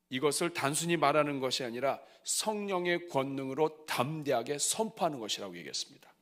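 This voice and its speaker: A middle-aged man preaching at a church revival, moving from soft asides to loud cries. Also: high voice. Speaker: pastor. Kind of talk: revival sermon. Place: church sanctuary.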